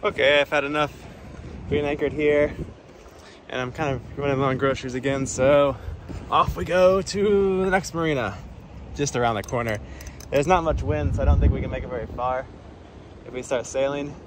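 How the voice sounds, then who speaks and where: Chill guy in his 30s vlogging, deeper-middle normal voice, lots of boat and water noise behind him. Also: steady tone, moderate pace. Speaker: sailing vlogger. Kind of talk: casual vlog narration. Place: outdoors on a small sailboat at sea. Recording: noisy boat outdoors, engine and water.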